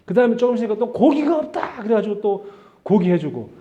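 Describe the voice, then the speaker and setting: A man's voice: sits high, big pitch swings, quick pace, mellow, lo-fi sound. A man preaching a sermon as pastor, in a conversational style that acts out the quotes he tells. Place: church sanctuary.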